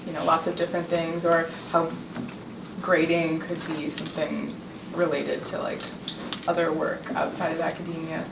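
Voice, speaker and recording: Young female grad fellow, low gravelly voice, halting, distant mic in a roomy space. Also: background noise. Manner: halting, many fillers. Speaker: doctoral fellow at a workshop.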